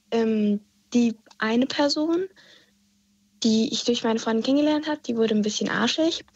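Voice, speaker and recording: A woman's voice: a little high, no echo. A young woman calling in to a radio show, telling her story hesitantly with many fillers. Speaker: caller. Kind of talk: phone-in story. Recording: muffled phone line.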